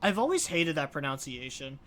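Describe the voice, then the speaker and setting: A man's voice: on the high side, sing-song, a little fast, fairly bright tone. A man streaming a let's play with casual, informal, opinionated commentary.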